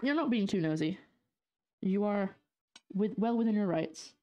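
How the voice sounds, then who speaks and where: A young woman from northeast Scotland chats jokily to her stream while cooking at home, speaking at a moderate pace in a mid-range, dark-toned voice on a muffled recording. She has a light, partly English-sounding Scottish accent, a slight lisp from her brace, and a habit of sarcastic asides to chat.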